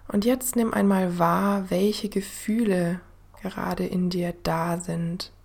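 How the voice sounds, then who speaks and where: A woman host guiding a meditation in the soothing manner of a sleep story narrator, gentle and unhurried, with a soft, breathy voice that often drops to a near-whisper. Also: lowish voice, fairly even intonation. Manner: gentle, unhurried, with long pauses. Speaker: podcast host and meditation guide.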